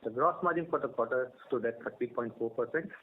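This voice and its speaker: A man's voice: mid-range voice, fast. A man working as a financial controller, reading out a scripted financial report over a thin conference line. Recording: phone-like conference line, faint noise.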